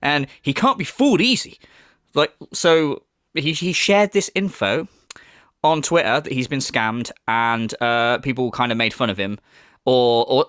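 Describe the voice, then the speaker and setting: A man's voice: mid-range voice, fairly bright tone, no echo, studio quality. A man hosting a commentary vlog in a sarcastic, mocking way, swearing and using many fillers, his voice a little off from a cold. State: slightly off voice from a cold. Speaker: commentary channel host.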